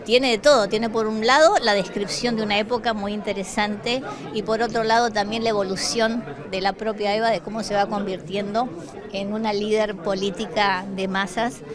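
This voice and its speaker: An Argentine woman giving a measured, explanatory answer in an interview. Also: medium pitch, steady tone. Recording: busy crowd behind.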